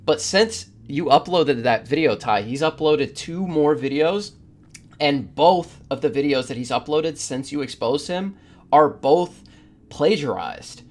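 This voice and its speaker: A man's voice: fairly high pitch, animated, a little slow. A man co-hosting a podcast, talking casually in a discussion. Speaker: podcast co-host.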